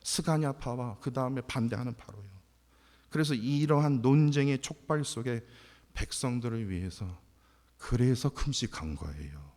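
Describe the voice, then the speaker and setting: A man preaching a sermon as pastor, animated, jumping from loud outbursts to hushed near-whispers. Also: mid-range voice, moderate pace. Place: church sanctuary. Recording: long hall reverb.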